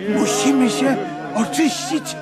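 An actor playing an ecstatic Hasid, chanting and exalted, in a radio drama. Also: male voice, extremely high pitch, takes it slowly. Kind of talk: Polish radio drama acting. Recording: loud music and crowd behind.

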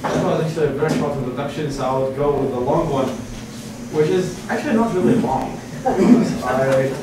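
A man's voice: fairly high pitch, normal speed. A man in his twenties from Iraq gives an earnest talk from a podium to a seated audience, restarting phrases often. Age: 20s. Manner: earnest, with frequent restarts and fillers. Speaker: guest speaker. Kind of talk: public lecture. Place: meeting room with a seated audience. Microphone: podium mic from far camera. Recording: echoey room, distant mic, audible noise.

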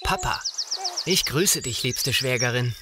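A male actor plays a courteous, teasing young husband and father in an audio drama. His intonation is lively, over loud background noise and birdsong. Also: mid-range voice, unhurried. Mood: jovial.

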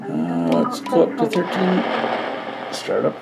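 Low, creaky, slow-talking man. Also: huge pitch swings. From Canada. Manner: unscripted, thinking aloud. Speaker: radio hobbyist. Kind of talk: casual demonstration to camera. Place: indoor radio desk at home. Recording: faint background noise.

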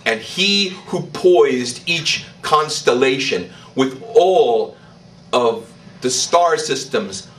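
An older man, a priest, preaching a sermon in church, slow and emphatic, with declarations that rise in pitch. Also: expressive, fairly bright tone, distant mic, rough recording. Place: church, indoors. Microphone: stand mic in front.

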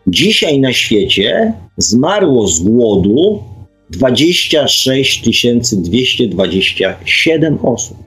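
Slow-talking man hosting radio. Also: medium pitch, big pitch swings, fairly bright tone, faint music behind, low-quality recording. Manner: hesitant, pausing, repeats figures for emphasis. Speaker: radio show host. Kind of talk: radio monologue reading out statistics to listeners.

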